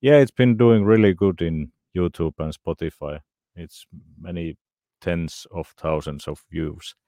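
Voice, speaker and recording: Deep-voiced, modest man. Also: a little slow, warm tone, no echo. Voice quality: very low, deep voice. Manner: modest, brief answers. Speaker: singer, interview guest.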